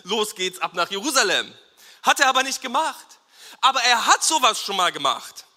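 A man preaching a lively sermon to a congregation, acting out short quoted exchanges and asking the audience to repeat words. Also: very high-pitched, big-room sound. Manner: acts out Jesus and bystanders in quick quoted asides. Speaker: pastor.

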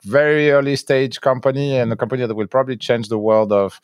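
A man's voice: mid-range voice, steady tone, fast talker, smooth, dry recording, studio quality. A man hosting an interview, introducing his guest and asking questions, often repeating words as he goes.

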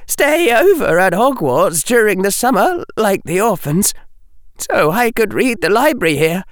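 High boyish voice of a clever young wizard kid, dry close mic, man putting it on. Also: creaky, dry recording, heavily acted. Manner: raised boyish pitch, earnest. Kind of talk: audiobook character voice.

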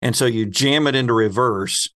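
A man working as host and game master, narrating an improvised story in a conversational way, pausing to search for words. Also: mid-range voice, fairly bright tone.

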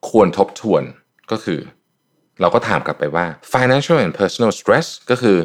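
A man's voice: sits low, expressive, normal speed. A man hosting a solo podcast, explaining a technique step by step in a chatty way, with many polite particles. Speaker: podcast host.

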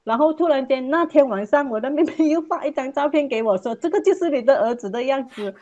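A middle-aged Malaysian woman shares her personal testimony as a mother, earnest and repetitive, ending phrases with soft particles. She speaks fast in a high-pitched voice, and the recording is muffled.

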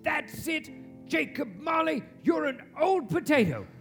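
A man's voice: very high-pitched, sing-song, a little slow, vocal fry, a bit bright, full character voice. A man playing a grumpy, miserly old businessman in a stage radio play, curt, scolding and theatrical. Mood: dismissive, defiant. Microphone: shared stage microphone. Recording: live stage recording with music.

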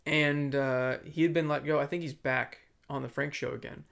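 Young male podcast co-host, higher voice with a gravelly fry, jokey and profane. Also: fairly even intonation, moderate pace, a bit bright. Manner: joking, laughs often, swears. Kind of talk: casual chat.

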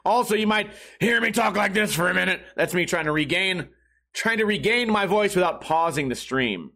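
A man hosting a podcast stream in casual chat, hoarse from losing his voice, talking in a loose, rambling and profane way. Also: high-pitched, lively intonation, moderate pace, pushed and bright.

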